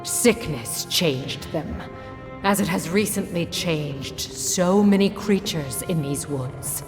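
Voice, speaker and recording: A woman playing an ancient, solemn woodland guardian spirit in a fantasy video game, speaking in a measured, formal way. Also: sits low. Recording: long reverb, loud background music.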